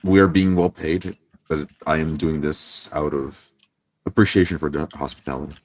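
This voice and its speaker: A man's voice: very deep voice, fairly even intonation, normal speed, no echo. A man voicing an earnest, courteous adventurer with solemn, formal wording in a tabletop roleplay.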